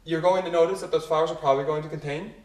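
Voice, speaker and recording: A man who is a native English speaker, explaining ideas through everyday examples and questions in a casual two-person talk. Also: on the high side. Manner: leads with examples, asks questions, quick and animated. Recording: roomy echo, a bit far from the mic.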